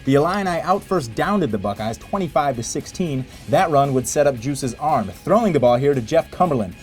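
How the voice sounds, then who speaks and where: Casting: male highlights narrator, mid-pitched, playful and tongue-in-cheek, punchy theatrical emphasis, light music bed underneath. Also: animated, normal speed, a little mellow. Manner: playful, wry, punning delivery with theatrical emphasis. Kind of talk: scripted sports highlights voice-over, play-by-play flavor.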